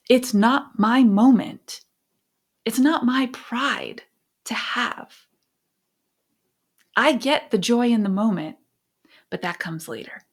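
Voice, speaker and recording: A middle-aged American woman sharing personal stories and parenting advice as a podcast host, phrasing things emphatically with deliberate pauses. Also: a little high, husky. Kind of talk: conversational advice and personal storytelling.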